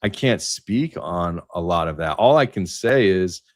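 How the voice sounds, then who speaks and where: A man speaking as a panelist in a livestream discussion, rambling and tentative as he thinks out loud. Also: sits low, lively intonation, dry recording, studio quality. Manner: halting, tentative, thinking aloud.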